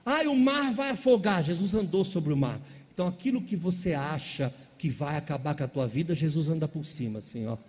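Man, pastor, animated sermon, slightly high warm voice, long hall reverb. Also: brisk, hardly any pauses. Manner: animated preaching, calls out questions to the congregation.

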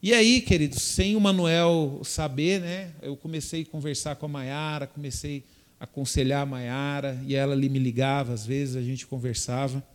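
A man's voice: mid-range voice, steady tone, normal speed. An older man, a pastor telling a testimony story in a sermon, often turning to the congregation and repeating himself as he goes.

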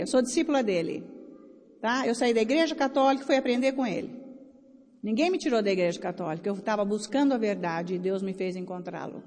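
A woman's voice: on the high side, a little mellow. A Brazilian woman preaching a sermon to a conference crowd, blunt and exhorting. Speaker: preacher raising offerings at a conference. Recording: long hall reverb.

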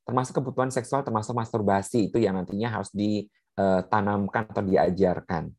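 A woman's voice: very deep voice, steady tone, a little fast, darkish tone, no room sound. Woman giving a dry, filler-rich seminar talk. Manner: explanatory, many fillers, lists points one by one. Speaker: speaker on puberty in children with special needs.

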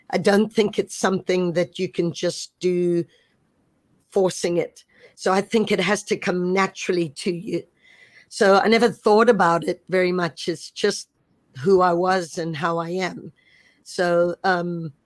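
Low-voiced thoughtful woman from Zimbabwe. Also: dry recording. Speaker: sports coach. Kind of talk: reflective interview conversation.

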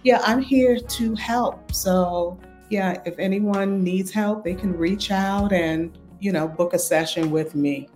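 A woman with a slightly raspy voice, a pastor and relationship coach, talking as a podcast guest in a calm, measured way. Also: medium pitch, faint music behind.

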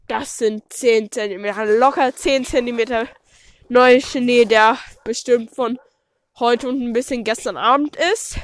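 A woman with a stuffed-up nose from a cold talks at an unhurried pace in a fairly high voice. She rambles and thinks aloud as she narrates her stable chores, with false starts along the way. She is recorded outdoors in the snow on a phone with a plugged-in mic. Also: dry recording, studio quality. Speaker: podcaster. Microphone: phone with a plugged-in cable mic.

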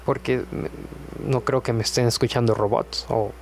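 A man's voice: mid-range voice, steady tone, normal speed, creaky, a little hiss or hum. A young man hosting his Christian podcast, chatting casually with lots of fillers and joking asides. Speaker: podcast host.

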